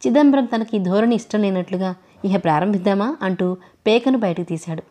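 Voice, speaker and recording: A woman reading a novel aloud in a calm, even storytelling voice, giving the characters' lines only a light touch. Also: mid-range voice, fairly quick.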